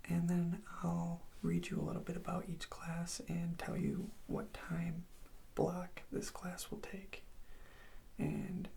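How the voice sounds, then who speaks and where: In a breathy, creaky, mid-range whisper, an ASMR performer takes on the role of a college advisor, soothing the listener gently and without hurry.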